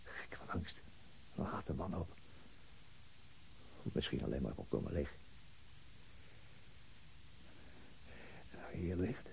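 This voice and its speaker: A man's voice: low-pitched, expressive, normal speed, creaky, slight background noise, rough recording. A man acting a determined, stoic, terse policeman in a Dutch radio drama. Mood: quiet, bleak.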